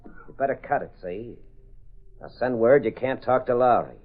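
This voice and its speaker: Picture a low, threatening gangster who leans on his victims with quiet menace. A man plays him in tough 1930s radio-drama style. The old broadcast sounds thin and tinny, like it is coming down a phone line. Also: animated, moderate pace, close to an everyday voice. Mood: menacing. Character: smooth-talking male racketeer, menacing.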